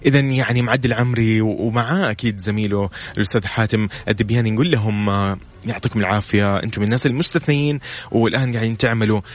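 A man's voice: on the low side, steady tone, rapid-fire. A man hosting a morning call-in radio show with a Saudi Hejazi accent, chatty and effusive, repeating his words of praise into a studio microphone. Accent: Saudi Hejazi Arabic. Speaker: radio host.

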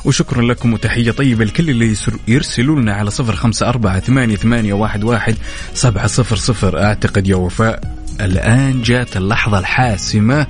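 A man with a fairly low voice co-hosts morning radio with music clearly playing behind him. He greets listeners and trades playful, casual banter. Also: quick pace. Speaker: radio morning show co-host.

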